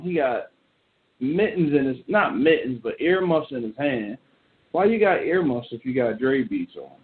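A man hosting a talk show, ranting in a loose, joking, slangy way. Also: a little high. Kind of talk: casual solo commentary. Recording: tinny phone-like audio.

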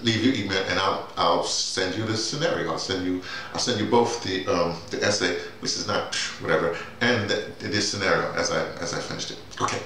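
A man in his sixties talking casually and haltingly to camera, repeating words and wandering off on asides. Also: low voice, sharp tone. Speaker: playwright and audio drama teacher. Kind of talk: casual rambling monologue to camera. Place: small bare-walled room indoors. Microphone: camera mic a few feet away. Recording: very echoey room, distant mic, faint hiss.

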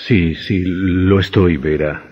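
An actor playing a tired, frightened doctor in a radio drama, husky and hesitant. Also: male voice, low voice, steady tone, slow, heavily acted. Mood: weary. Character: weary frightened doctor, husband of a vampire. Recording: dull lo-fi audio with long hall reverb.

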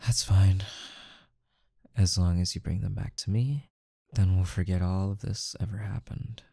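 Low, slow, gravelly mafia boss, acted by a man. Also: steady tone, no room sound, studio quality, full character voice. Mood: amused, coaxing. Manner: slow, menacing, softly coaxing, with deliberate pauses. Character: intimidating, smooth-talking mafia boss, calm and teasing. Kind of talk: ASMR boyfriend roleplay.

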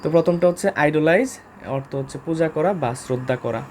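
A man's voice: a little high, fairly quick, a little mellow, slight background noise. A man with a Bangladeshi accent giving a casual vocabulary lesson, talking informally with frequent filler sounds and spelling words out letter by letter. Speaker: English vocabulary teacher.

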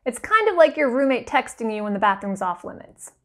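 A woman plays a parody news anchor with a fairly high voice. She reads scripted headlines and punchlines in the same deadpan, mock-serious newscaster manner. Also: a little fast.

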